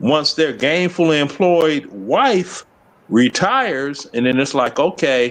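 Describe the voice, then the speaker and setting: A man at a fairly high pitch, very slow pace, lively intonation, and very even loudness. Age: 60s. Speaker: retired military veteran and DJ. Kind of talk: casual chat.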